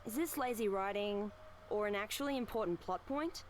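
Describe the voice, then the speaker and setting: A woman's voice: medium pitch, moderate pace, noisy background, lightly acted. A woman acting a dramatic, playful narrator of a visual novel game. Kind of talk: theatrical scripted narration.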